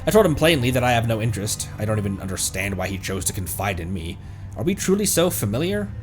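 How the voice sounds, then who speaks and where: A man's voice: lowish voice, big pitch swings, quick pace, soft background music. A man streaming a video game, reading its text aloud with asides and stumbling over long words.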